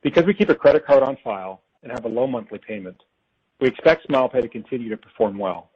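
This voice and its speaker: A man presenting as a company finance executive on an earnings call, reading prepared figures in a formal, measured way. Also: medium pitch, animated, breathy edge. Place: conference call. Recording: dull, lo-fi conference call audio.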